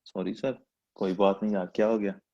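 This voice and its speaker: A man's voice: on the low side, little pitch movement, moderate pace, dark tone, highs cut off. A man teaching a live online freelancing class in a chatty, teasing, rhetorical way. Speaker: freelancing instructor.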